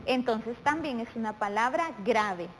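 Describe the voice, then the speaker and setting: A woman's voice: a little high, animated. Patient woman teaching children. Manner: patient and deliberate, drawing out words syllable by syllable. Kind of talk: televised primary-school lesson. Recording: faint reverb and light background noise.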